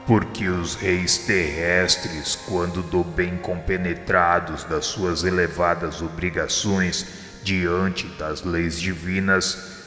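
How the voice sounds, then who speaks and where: A man voicing Jesus as a grave divine figure in a radio drama, speaking with a Brazilian Portuguese accent in measured, solemn pronouncements. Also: deep voice, exaggerated voice. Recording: heavy reverb with soft music behind.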